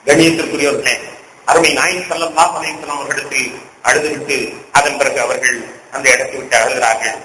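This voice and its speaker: A man's voice: medium pitch, fairly even intonation, a little fast, pushed and bright, reverberant, a little hiss or hum, low-quality recording. A man preaching a storytelling sermon, retelling events with emotion that rises into impassioned pleas.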